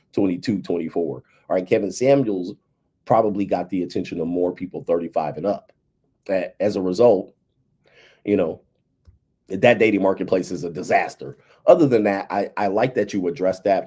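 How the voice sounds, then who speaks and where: Emphatic fifty-year-old man, low husky voice. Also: dark tone. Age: 50s. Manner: emphatic, repetitive, punctuates points with "right?" and "okay". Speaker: relationship and dating commentator. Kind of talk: casual livestream commentary.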